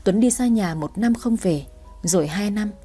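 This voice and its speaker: A woman's voice: mid-range voice, lively intonation, normal speed, dark tone, husky, soft background music. A woman in her twenties narrating her own sad family story in a sorrowful, reflective way. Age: 20s. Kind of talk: first-person story narration.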